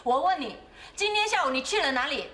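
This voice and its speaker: An actress playing a jealous wife who shouts accusations and sobs while yelling at her husband in a TV drama. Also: sits high, lively intonation, a little fast. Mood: accusing. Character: jealous shrill wife, loud and quarrelsome. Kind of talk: TV drama acting.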